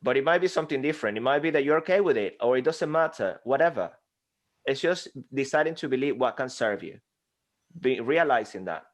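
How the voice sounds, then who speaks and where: A man from Venezuela with a Venezuelan Spanish accent, a Spanish native speaker talking as a guest speaking coach in an interview, animated and passionate, acting out little dialogues. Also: mid-range voice, brisk. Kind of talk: energetic interview conversation. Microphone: desk microphone.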